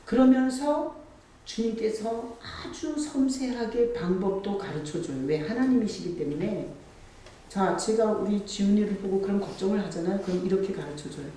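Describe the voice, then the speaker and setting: A woman's voice: mid-range voice, moderate pace, warm tone, distant mic, a little hiss or hum. Woman pastor preaching in an echoey church. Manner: conversational preaching, acts out dialogue with God, rising to emphatic. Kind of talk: sermon. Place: church sanctuary.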